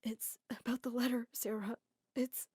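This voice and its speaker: A woman voicing a soft-spoken young man. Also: mid-range voice, lively intonation, normal speed, dry recording, studio quality, close to an everyday voice. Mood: sad. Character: young adult man, gentle calm brother. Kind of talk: animated storybook voice acting.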